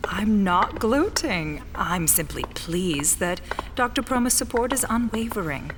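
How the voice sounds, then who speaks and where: An actress playing a proud, scheming senior official in a science fiction audio drama, formal and poised. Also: female voice, mid-range voice, expressive, measured pace, noisy background, lightly acted. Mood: defensive pride. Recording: long reverberant hall, music behind.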